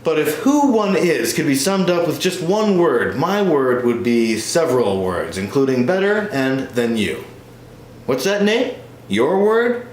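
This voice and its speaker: A man's voice: fairly high pitch, sing-song, a little slow. A man playing both parts in a one-man stage comedy, here as a smug, pedantic, boastful older twin brother. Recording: roomy echo with faint noise.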